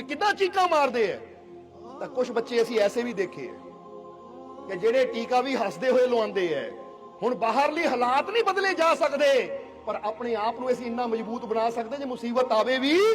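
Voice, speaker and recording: A man giving a devotional sermon, asking his listeners questions and acting out the voices he quotes. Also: very high-pitched. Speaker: spiritual teacher. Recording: sermon with clear music behind.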